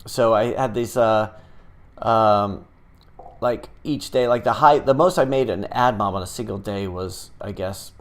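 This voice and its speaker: A middle-aged man hosting a casual live stream, chatting loosely with many pauses and restarts. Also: fairly low pitch. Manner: rambling and hesitant, many fillers and restarts. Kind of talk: casual live-stream chat, reading viewer comments.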